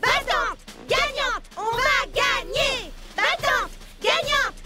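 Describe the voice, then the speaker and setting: A woman's voice: very high-pitched, expressive, slow, exaggerated voice. A woman voicing a playful, competitive little girl in a rhythmic, sing-song cartoon team chant. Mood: gleeful, competitive. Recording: music under the voice.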